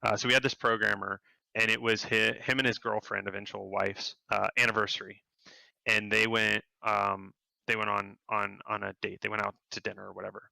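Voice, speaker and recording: A man, a game developer, telling work stories in a casual interview, animated and jumping up in pitch when he quotes people. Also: fairly quick, vocal fry, no room sound, low-quality recording. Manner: animated, acts out quotes in a higher voice.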